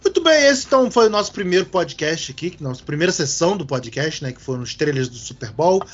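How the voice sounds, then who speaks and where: A man hosting a casual podcast chat, animated, swearing casually and restarting his words. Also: fairly high pitch, fast talker, husky, lo-fi sound, faint music behind. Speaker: podcast host.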